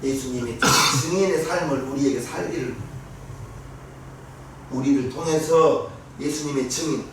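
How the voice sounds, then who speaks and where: A pastor preaching a sermon in a church, his voice swinging between loud rises and soft drops as he questions the congregation. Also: medium pitch, a little slow, long pauses. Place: church sanctuary. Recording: very echoey church room, heard from a distance, faint hiss.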